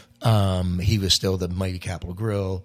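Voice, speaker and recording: At a moderate pace, a man talks in a fairly low, somewhat breathy voice on a very clean recording with a silent background. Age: 60s. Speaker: restaurant coach and former chef. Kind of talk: casual interview chat.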